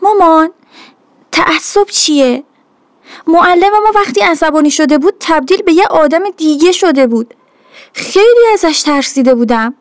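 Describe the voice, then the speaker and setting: A woman voicing a distressed young schoolgirl who pleads with questions to her mother, in a high, raised voice. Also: animated, dry recording. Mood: upset.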